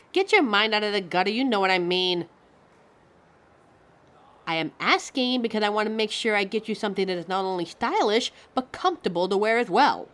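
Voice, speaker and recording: A woman's voice: mid-range voice, expressive, brisk, fairly bright tone, lightly acted. A woman playing a vain, easily offended talking fashion mannequin in a scripted audio roleplay, theatrical, condescending and fussy. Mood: bossy, fussy. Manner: theatrical, condescending, fussy, calls listeners darling.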